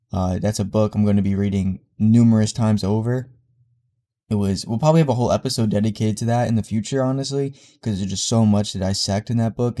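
A man's voice: on the low side, mellow. A young man with a congested voice hosting a casual solo podcast, rambling with fillers and restarts. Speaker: podcast host.

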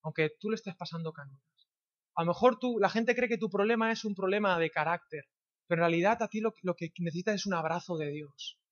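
A man's voice: high-pitched, fast talker. A man from preaching a sermon in a church, firing rhetorical questions at the congregation. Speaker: pastor. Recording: dull slightly lo-fi sound.

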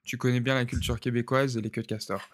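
Relaxed young man. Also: mid-range voice, fast. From France. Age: 20s. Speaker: podcast co-host. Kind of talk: casual podcast chat.

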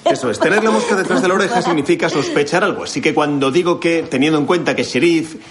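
A man's voice: fairly high pitch, a bit bright, lightly acted. An actor playing a young male language teacher who explains patiently but firmly to a rowdy class, in dubbed film dialogue. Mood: explaining. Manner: explains carefully, brisk and teasing with pupils.

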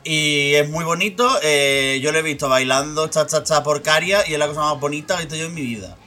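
Man, Andalusian accent, bright forceful voice, slightly high, chatty podcast talk with jokes. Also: fairly quick, soft background music. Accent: Andalusian Spanish. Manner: chatty, joking asides. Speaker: podcast co-host. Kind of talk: casual chat.

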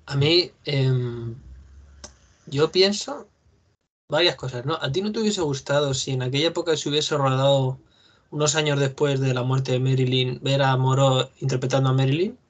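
A man's voice: mid-range voice, fairly even intonation, normal speed, muffled recording. A man giving a casual spoken commentary on cinema, reasoning aloud in a reflective way with fillers. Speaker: film discussion co-host.

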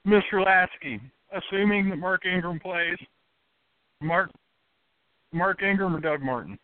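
A man hosting a sports radio panel, firing off quick questions and sarcastic asides. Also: high-pitched, dry recording. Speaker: show host. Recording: dry, phone-like narrow band.

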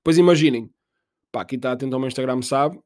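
A man's voice: medium pitch, quick pace, darkish tone, dry recording, clean studio sound. A man with a European Portuguese accent hosting a podcast, rambling through a jokey, profane, self-mocking monologue. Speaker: podcast host. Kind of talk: casual comedic monologue.

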